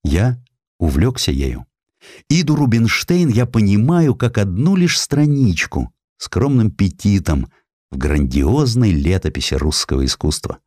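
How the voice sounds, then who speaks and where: Deep-voiced man, expressive literary narration. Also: measured pace, dry recording, clean studio sound. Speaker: audiobook narrator. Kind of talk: dramatic scripted narration of historical essay. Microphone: close studio microphone.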